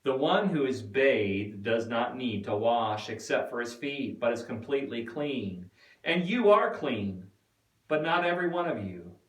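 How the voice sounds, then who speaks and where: Man reading as calm, resolute rabbi, echoey. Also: mid-range voice, a little slow, lightly acted. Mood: calm, firm. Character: Jesus, adult male rabbi, calm, resolute teacher. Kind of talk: church dramatic reading. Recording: echoey room, distant mic.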